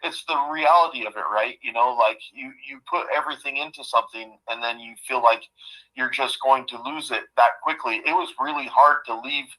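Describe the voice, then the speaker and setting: A man of fifty telling a heartfelt personal story in a halting way, often repeating himself. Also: medium pitch, sharp tone, poor audio. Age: 50s. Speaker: guest.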